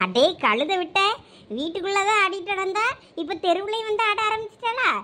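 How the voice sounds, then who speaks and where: A woman's voice: very high-pitched, brisk, noisy background. A woman voicing a gossipy, mocking village woman in a cartoon, with a Thoothukudi Tamil accent. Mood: gloating.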